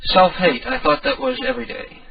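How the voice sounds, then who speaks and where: Gravelly, creaky-voiced male radio host. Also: very high voice, lively intonation, a little fast, no room sound, faint music behind. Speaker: prank call show host. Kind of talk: casual live radio chat. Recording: dull band-limited radio, distant.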